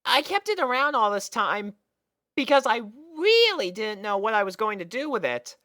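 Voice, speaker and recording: A woman voicing a shy, lovestruck young girl pony in a nervous, halting storybook reading. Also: on the high side, big pitch swings, pushed and bright, pitched above the performer's own voice. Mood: nervous, sweet.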